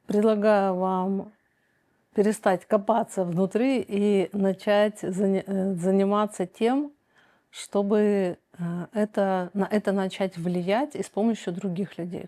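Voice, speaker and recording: A woman psychoanalyst answering viewer questions in a calm, slow, deliberate way, with frequent pauses and hesitant fillers. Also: medium pitch. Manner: reads viewer questions aloud, then answers directly. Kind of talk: calm measured advice monologue.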